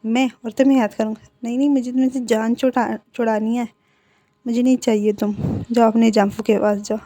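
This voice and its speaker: Woman voicing a grumpy young guy who snaps and teases, dark-toned storybook read. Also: a little high, little pitch movement, fairly quick, dry recording, natural voice. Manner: scolding, irritable. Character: grumpy young man, teasing brother.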